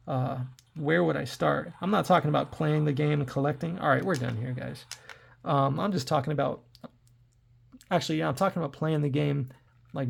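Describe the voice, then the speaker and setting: A man in his forties talks his way through a handheld game session, addressing viewers in loose, rambling asides. His voice is worn and hoarse, deeply gravelly and raspy, and sits a touch higher than most men's. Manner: rambling, chatty, talks to viewers while playing. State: hoarse from throat trouble. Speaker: tech reviewer playing retro games. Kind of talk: casual gameplay commentary.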